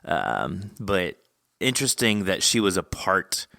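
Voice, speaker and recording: A man with a lowish, very bright voice talks as a podcast host. He thinks aloud in a rambling, conversational way and poses questions as he goes. The recording is close and dry. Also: sing-song, slow pace, vocal fry, dry recording. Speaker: podcast host interviewing an author. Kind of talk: casual conversational interview.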